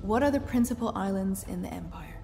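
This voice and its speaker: An actress playing a polite, patient young tutor in a video game. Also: female voice, medium pitch, animated, fairly quick, vocal fry, mellow. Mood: patient, mildly exasperated. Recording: reverberant, faint noise.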